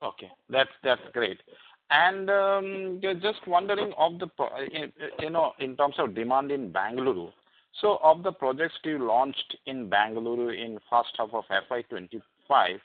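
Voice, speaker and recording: A man's voice: medium pitch, animated, moderate pace. A man with an Indian accent asking questions as an analyst on an earnings call, hesitant and circling in his phrasing. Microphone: headset on phone call. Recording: tinny phone headset line.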